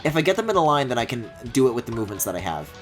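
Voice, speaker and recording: A man's voice: mid-range voice, very animated, racing. A man streaming a video game with casual live commentary, thinking aloud expressively. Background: game music.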